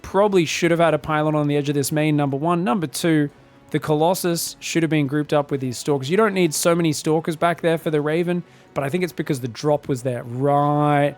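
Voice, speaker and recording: Man, esports caster, gravelly, phlegmy, excitable, faint background music. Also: on the high side, brisk. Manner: excitable, shouts on big plays, then breaks down mistakes. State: phlegmy after being sick. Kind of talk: solo game commentary.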